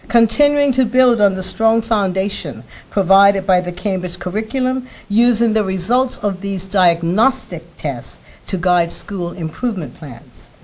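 A woman in her sixties reading a scripted political speech at a podium in a formal, measured way. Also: mid-range voice, darkish tone, poor audio. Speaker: politician giving a campaign speech. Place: indoor press conference room at a podium. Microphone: several press microphones on a podium. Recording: clear background room noise.

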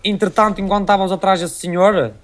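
A man's voice: high voice, fairly even intonation, quick pace. A young man, chatting and joking with his friend while they play a game together. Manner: joking, teasing. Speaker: co-player. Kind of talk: casual gaming chat.

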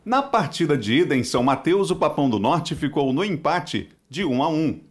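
A man presenting a regional morning TV news bulletin with a brisk announcer delivery and a Brazilian accent from Maranhão. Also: a little high, animated. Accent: Brazilian Portuguese, Maranhão. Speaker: news anchor.

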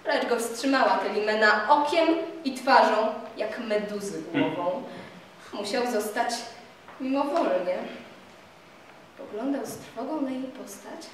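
A woman actress narrating an epic poem in a measured, theatrical recitation. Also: fairly high pitch, lively intonation, a little hiss or hum. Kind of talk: dramatic verse recitation. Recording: roomy echo, voice far from mic.

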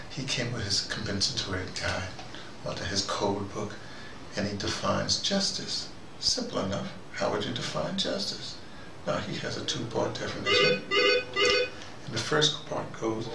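A man tells stories with lively swings in pitch and a gravelly grain to his voice. He wanders and restarts as he goes, playing out reported exchanges like an informal host. He sounds set back from the microphone, with clear noise around him. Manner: halting and digressive, acts out reported exchanges. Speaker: host of a recurring spoken dispatch. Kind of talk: informal monologue, animated anecdotal storytelling. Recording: noisy, roomy recording, distant from mic.

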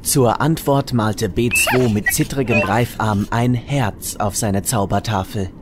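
Lowish-voiced man narrating a comic story. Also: measured pace, very noisy. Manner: wry storytelling. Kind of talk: scripted comic audio drama narration. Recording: loud music under narration.

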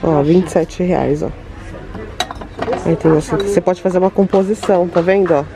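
A woman's voice: on the low side, fairly even intonation, a little fast, noisy background. A Brazilian woman vlogging a walk through a home goods store, chatty and enthusiastic as she shows products to her viewers. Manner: enthusiastic, gushing over items, chatty asides to viewers. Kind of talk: store tour vlog, showing products.

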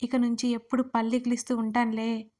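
A young woman in a romance audio story who plays things down with light, teasing replies, as the woman narrator speaks her part. Her voice sits a little high. She speaks in a plain, unforced way. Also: flat delivery, brisk, mellow, lightly acted. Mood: playful. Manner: playful, brushing things off. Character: young woman hiding sorrow behind jokes.

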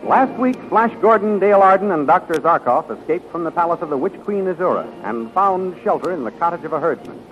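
A man's voice: high voice, expressive, fairly quick, few pauses, music in the background. A man narrating a 1930s radio serial as a dramatic, declamatory announcer. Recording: muffled 1930s radio recording.

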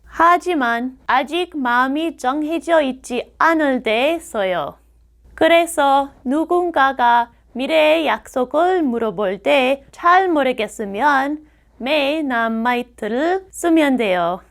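A middle-aged American woman whose first language is English, teaching grammar on a video lesson and drilling words slowly and carefully. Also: high-pitched, expressive, fairly bright tone. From United States.

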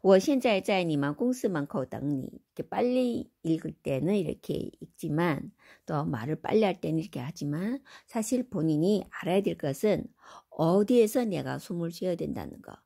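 A woman teaching Chinese in Korean, reading the example sentences out slowly and explaining them. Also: on the low side, expressive, creaky, mellow, slightly rough. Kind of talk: slow spoken language lesson.

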